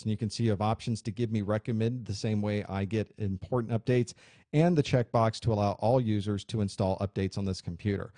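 A man teaching a computer course, explaining software settings in a clear, steady way while recording a screen tutorial. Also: on the low side, no echo. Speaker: IT instructor.

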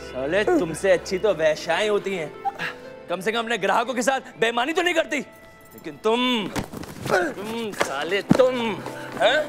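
A bitter young gangster, sneering and abusive, his voice pitched high and cutting. He rails with contempt in a TV drama, over loud background music. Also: animated, a little slow. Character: vengeful young male gangster, menacing, bitter. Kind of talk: stage-style TV drama acting.

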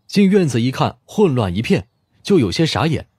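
A man's voice: mid-range voice, very animated, moderate pace, a little mellow, husky, no room sound, clean studio sound. A man reading a mystery novel as a scripted audiobook narration.

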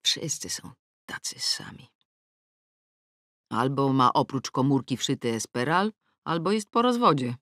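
A middle-aged woman reading a first-person novel aloud, wry and ironic, with sudden rises in pitch on the punchlines. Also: sing-song, a little slow, long pauses, a bit bright, no room sound, clean studio sound. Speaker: audiobook narrator. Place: dry recording booth. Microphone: close studio mic.

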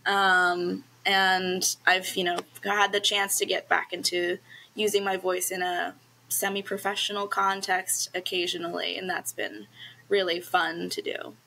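A young woman whose first language is Cantonese, a speech language pathologist, answering interview questions over a video call with a headset, relaxed and full of ums. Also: on the low side, measured pace, vocal fry, slight background noise, rough recording. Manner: relaxed, frequent ums, laughs easily. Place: home room, indoors.

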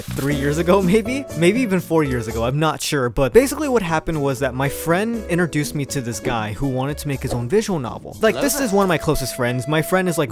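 A young man telling a casual storytime in a chatty, slangy, rambling way as a video creator. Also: a little high. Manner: animated, chuckling, informal slangy rambling. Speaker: video creator, amateur voice actor.

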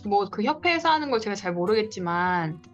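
A woman's voice: mid-range voice, sing-song, fairly quick. Encouraging woman coach, dull call audio. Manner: encouraging, advising. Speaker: coach for independent lecturers. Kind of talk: one-on-one online coaching talk. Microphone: video call. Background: faint guitar music.

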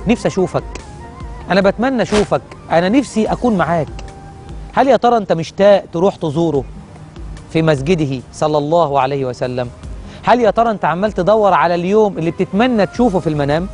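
A man's voice: a little high, darkish tone. A man with an Egyptian Arabic accent hosting a religious television program, telling stories in an earnest, emotive way.

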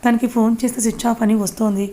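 A woman's voice: a little high, flat delivery, quick pace, mellow, lightly acted. A woman voicing a worried young man who scolds and pleads with his friend.

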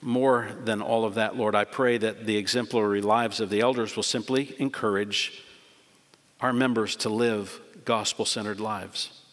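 This pastor is a middle-aged man whose voice sits on the low side, fairly bright and unhurried, with fairly even intonation. He preaches earnestly and emphatically, repeating phrases before closing with a prayer, all in a long church-hall reverb.

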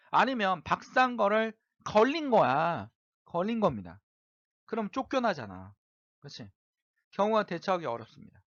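High, lively-voiced male teacher lecturing. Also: no echo, lo-fi sound. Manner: keeps asking "right?" to check understanding. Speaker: high school social studies teacher. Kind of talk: online lecture.

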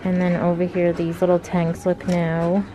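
Her voice is lowish and monotone at a normal speed, in a rough recording with background music playing over it. A young fashion vlogger, she chats casually while filming herself shopping in a clothing store on a handheld phone, saying "like" a lot.

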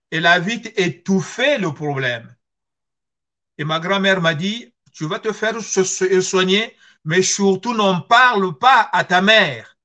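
With a high, sharp voice and a Congolese accent, a middle-aged guest speaker from Congo-Brazzaville offers emphatic, earnest testimony on history and identity, posing rhetorical questions. He speaks over a video call from a small furnished room at home.

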